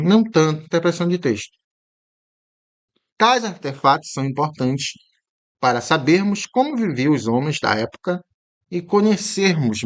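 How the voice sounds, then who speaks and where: A male exam-prep teacher talking through a commented test in a chatty way, often asking the viewer "right?" and slowly sounding out words to show how they are said. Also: a little high. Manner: frequent tag questions to the viewer.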